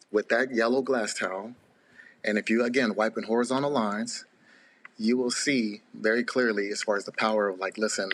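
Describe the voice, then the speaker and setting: A man's voice: fairly low pitch, fairly bright tone. A man explaining step by step how to detail a car with his company's products, earnest and repetitive. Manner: earnest, repeats words, salesman-like. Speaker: guest, car detailing business owner.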